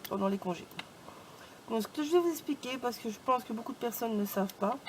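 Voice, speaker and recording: A woman's voice: on the high side, slight background noise, rough recording. A woman giving a casual craft tutorial for her channel, chatty and informal, stringing her steps together with "donc" and "voilà". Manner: chatty, peppered with "donc" and "hop". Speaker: craft YouTuber.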